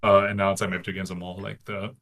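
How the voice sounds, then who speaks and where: Man, late twenties, from Singapore, low-pitched, bright forceful tone, casual podcast guest chat. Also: flat delivery, very fast. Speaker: podcast guest, card game player. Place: small home room, indoors. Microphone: video call.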